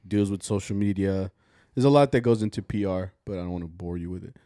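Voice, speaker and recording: A man's voice: deep voice, quick pace, warm tone, dry recording, studio quality. A young man co-hosting a podcast, chatting easygoing and talkative, rambling with fillers. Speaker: podcast co-host. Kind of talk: casual podcast chat.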